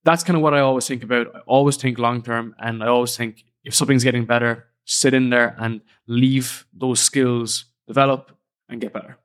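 A young Irishman talks into his podcast microphone in a relaxed, earnest monologue. His voice sits at an ordinary middle pitch for a man. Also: a little fast, clear, resonant tone. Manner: casual, earnest, reflective. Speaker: podcast host. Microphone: studio podcast microphone.

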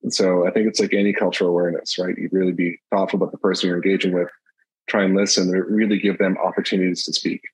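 A man speaking as a podcast guest in a measured, explanatory way. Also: deep voice, level tone, breathy edge, dry recording, low-quality recording. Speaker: podcast guest, industry advisor. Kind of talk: conversational panel discussion.

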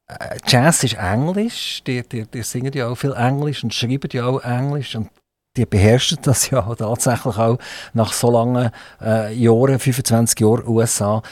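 A male interviewer speaks Swiss German in a conversational hosting style. He hesitates and hunts for words. His pitch is average and the sound is dry, with very little room. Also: a little mellow, no echo. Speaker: radio interviewer.

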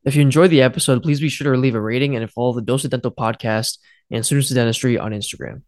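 A man's voice: mid-range voice, a little mellow, no echo, clean studio sound. A man hosting a podcast, reading a scripted intro and a list of guests by name and title. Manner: brisk, reads names and titles in a list. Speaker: podcast host.

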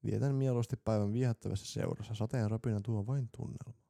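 A man's voice: on the low side, fairly even intonation, creaky, warm tone. A man co-hosting a casual podcast, reading quiz questions aloud with mock enthusiasm and crude jokes. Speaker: podcast co-host.

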